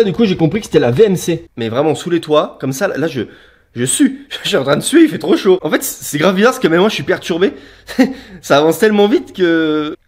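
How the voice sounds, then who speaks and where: A man's voice: on the high side, darkish tone. A young man walking through his house under renovation, chatting casually in slang and laughing often as he films himself. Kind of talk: casual vlog walkthrough. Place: unfinished attic rooms of a house under renovation, indoors. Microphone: handheld camera he films himself with.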